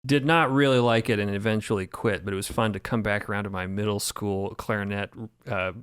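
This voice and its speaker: A man's voice: lowish voice, fairly even intonation, fairly quick, a bit bright, clean tone. A man chatting casually as a creator on a podcast panel. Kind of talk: casual chat.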